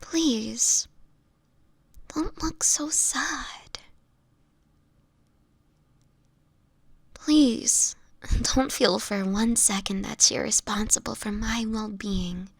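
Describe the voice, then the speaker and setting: Girl doing a sickly homeless vampire lady for audio rp, whispery, kinda high, super close dry sound, gentle and hesitant. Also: slow pace, no room sound, heavily acted. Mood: reluctant, sad. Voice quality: breathy, often whispering. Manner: hesitant, tender, pleading. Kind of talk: breathy audio roleplay addressed to the listener.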